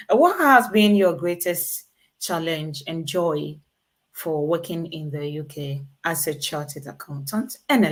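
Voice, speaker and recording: A woman hosting an interview, asking polite questions that often end with "please". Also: sits low. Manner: courteous, ends questions with "please". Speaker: interview host.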